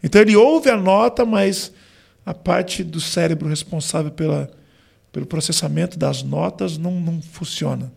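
A Brazilian gospel singer and vocal coach explaining singing on a podcast, with lots of "né" and "tipo" fillers. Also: male voice, on the high side, moderate pace, vocal fry, darkish tone, breathy edge. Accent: Brazilian Portuguese. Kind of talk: podcast interview.

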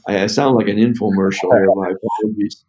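Halting low-voiced male tech founder. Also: steady tone, mellow. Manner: halting, many fillers and restarts. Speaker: company founder and CEO guest. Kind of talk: casual podcast interview answers.

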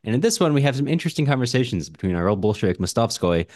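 A man's voice: mid-range voice, big pitch swings, racing, a little mellow, dry recording, studio quality. A man co-hosting a podcast in a casual, conversational style, discussing books and listener comments. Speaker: podcast co-host.

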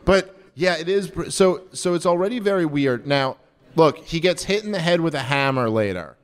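A man's voice: fairly high pitch, normal speed, clear, resonant tone, long reverb tail. A man co-hosting a casual commentary chat, joking and acting out quotes as he talks. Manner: joking, animated, acts out quotes. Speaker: podcast co-host.

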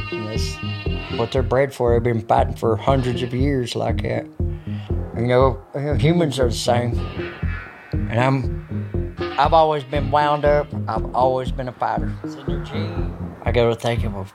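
A man's voice: medium pitch, steady tone, measured pace, music in the background. A man in his early fifties with a rural American country accent, talking candidly and bluntly with plenty of swearing. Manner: blunt, profane, folksy drawled phrasing. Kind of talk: raw, candid talk.

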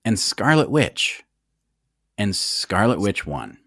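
A man's voice: lowish voice, slow pace, dry recording, studio quality. A man co-hosting a podcast, chatting casually, joking and going off on tangents. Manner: animated, joking, goes off on tangents. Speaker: podcast co-host. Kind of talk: casual chat.

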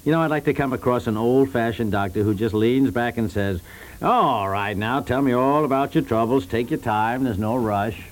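A man's voice: mid-range voice, moderate pace, lightly acted, low-quality recording. A man playing a fretful, grumbling, defensive husband and father in a 1950s radio comedy, sputtering and repeating himself. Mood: grudging. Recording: vintage 1950s network radio recording.

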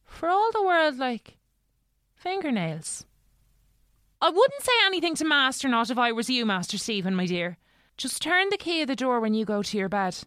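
Lively, gossipy country English housekeeper. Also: female voice, high-pitched, normal speed, no room sound, clean studio sound. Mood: uneasy. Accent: rural English. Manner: chatty, colloquial servant's storytelling. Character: kindly, fussing, gossipy old-fashioned housekeeper woman. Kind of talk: audio drama acting.

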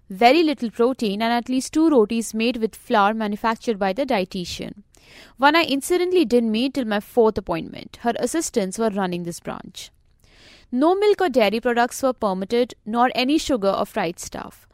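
A middle-aged woman reading her own scripted personal story as a podcast narrator, measured, wry and reflective. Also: a little high, dry recording, studio quality.

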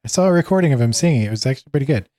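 Man, medium pitch, soft mellow tone; chatty, hesitant podcast panelist. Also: expressive, very fast. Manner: chatty, hesitant, many fillers. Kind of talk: casual tech news chat.

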